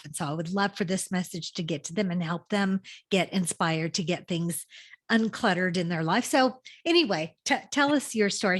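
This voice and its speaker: A woman hosting her own podcast, upbeat and enthusiastic, sometimes stumbling over her words as she interviews a guest. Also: fairly low pitch. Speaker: podcast host.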